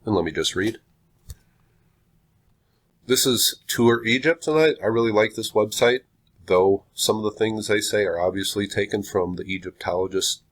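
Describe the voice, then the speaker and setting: A man with a slightly low voice, sounding stuffed up and congested. He talks in a casual, unhurried way, breaking his sentences with pauses as he thinks. Now and then he reads aloud in the same easygoing tone. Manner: slow, halting, with frequent pauses. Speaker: video host. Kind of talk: casual commentary, reading aloud from a website.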